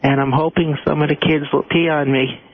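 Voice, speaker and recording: A man's voice: on the high side, little pitch movement, fairly quick, no room sound. A man playing a creepy, lewd prison inmate on a prank phone call. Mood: lewd, eager. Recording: tinny, narrow phone line.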